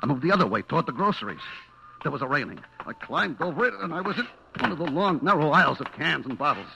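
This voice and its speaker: In a 1940s–50s radio suspense drama, a man with a slightly high, gravelly voice narrates in the first person as a terrified, guilty man hunted by a vengeful butcher, talking fast in a full character voice. Breathless and wildly dramatic, he lurches from hushed dread to frantic cries. The old broadcast is low quality, with a slight hiss or hum under dramatic music.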